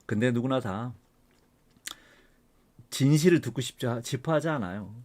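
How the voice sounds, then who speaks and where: A middle-aged man, an art professor, lecturing casually and switching between heated ranting and quieter asides. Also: medium pitch, animated, normal speed. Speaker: art professor and channel host.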